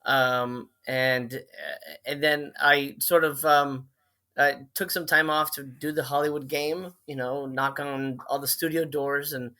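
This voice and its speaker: Middle-aged guy from miami, bright voice, rambly casual interview talk with lots of uhs. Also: mid-range voice, slow pace. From Miami, Florida. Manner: chatty, many fillers and restarts. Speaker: film director and writer, podcast guest.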